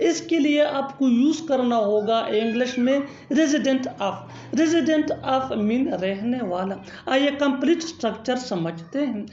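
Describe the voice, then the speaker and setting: A woman teaching English grammar in a scripted lesson, saying each English example slowly and then repeating it. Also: high voice, a little mellow, reverberant, lo-fi sound.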